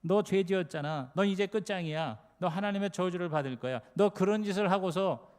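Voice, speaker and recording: A man's voice: high-pitched, a little mellow, pitched above the performer's own voice, lightly acted. A pastor voicing a male devil who hurls jeering accusations, in a church hall. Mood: taunting. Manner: jeering, rapid-fire accusations. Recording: long reverb of a church sanctuary.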